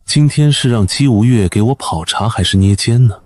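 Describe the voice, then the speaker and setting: A man voicing a calm, smug young male sword master in an animated series, talking in a cool, teasing, unhurried way. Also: mid-range voice, no echo, natural voice. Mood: cocky.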